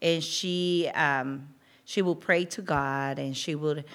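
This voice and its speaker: A woman with a Spanish accent speaks in a very deep, low pitch with fairly even intonation. The recording is very clean, with a silent background. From Mexico. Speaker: church member. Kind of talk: testimony. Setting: church. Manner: halting.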